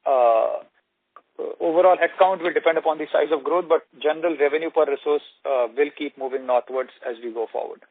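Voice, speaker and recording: A man giving halting, measured corporate answers as an executive on an earnings call. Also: a little high, no echo. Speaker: company executive answering analysts. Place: conference call. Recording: narrow, dry telephone conference line.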